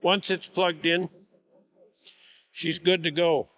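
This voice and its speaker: Slow, quiet man echoing inside a grain bin. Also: fairly high pitch, level tone, highs cut off. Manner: talks quietly and unhurriedly, with fillers. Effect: echoey voice inside a large metal grain bin. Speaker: farmer showing a grain bin build. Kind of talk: casual video walkthrough. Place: inside a large empty metal grain bin.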